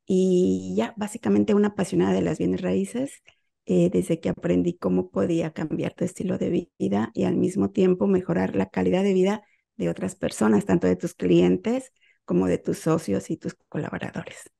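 A woman in her thirties from Mexico City with a Mexico City Spanish accent, giving steady, explanatory interview answers over a video call. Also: on the low side, moderate pace, vocal fry. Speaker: guest, real estate investor. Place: home office on a video call.

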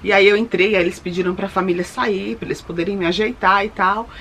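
A woman's voice: mid-range voice, fairly even intonation, fast talker, fairly bright tone, slight background noise. A woman in her thirties telling a personal story to her viewers in a chatty, emotional way. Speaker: lifestyle vlogger.

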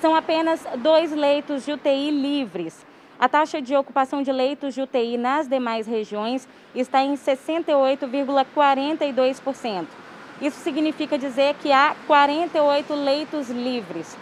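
High-voiced young woman reporting live outdoors. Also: steady tone, normal speed, slight background noise. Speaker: field reporter. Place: outdoors by a seaside avenue. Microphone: handheld mic.

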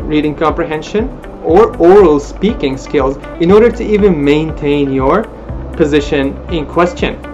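Lively presenter, Armenian native, lo-fi webcam. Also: male voice, a little high. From Middle East, Arabic-speaking country. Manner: lively, expressive, gestures with hands. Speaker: language school presenter. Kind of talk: informational talk to camera. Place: small indoor room, plain wall. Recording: dull lo-fi webcam audio with music behind.

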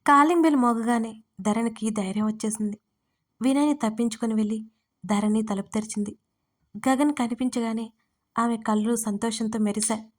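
A woman narrates an audio story in a steady storytelling manner, with a voice that sits fairly high. She keeps an even pace from line to line. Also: normal speed, long pauses. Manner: steady storytelling, reads every character's lines.

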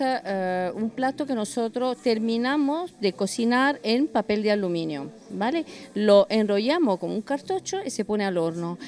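A middle-aged woman who runs a restaurant presents a dish and a guest, explaining in an animated, casual way into a handheld mic. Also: a little high. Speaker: restaurant owner. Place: indoors in a busy restaurant. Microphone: handheld mic held by interviewer.

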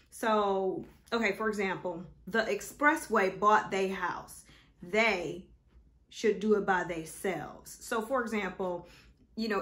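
A woman in her thirties with an African American accent, giving an informal explainer and reading examples from a book in a thoughtful, halting way. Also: medium pitch. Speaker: presenter of an educational video. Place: small indoor room, seated before a wall.

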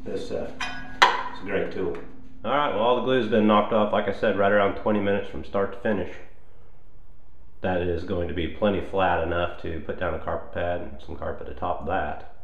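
A man's voice: deep voice, steady tone, normal speed, a bit bright, muffled recording. An American man giving a casual, matter-of-fact, explanatory walkthrough of hands-on renovation work. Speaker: home renovator, vlog host. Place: indoors, bare rooms of a house under renovation.

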